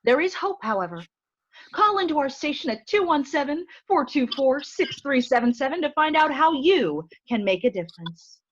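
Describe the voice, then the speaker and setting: Woman playing an animated high-voiced earnest TV spokeswoman. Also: normal speed, highs cut off. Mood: solemn earnest. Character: earnest TV public-service spokeswoman for a silly cause. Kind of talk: mock public-service announcement.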